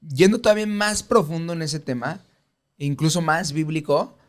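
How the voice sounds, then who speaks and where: A man's voice: a little high, moderate pace. A man co-hosting a Christian podcast, chatting casually with jokes and slang. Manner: joking, teasing slang, excitable. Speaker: podcast co-host. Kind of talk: casual banter.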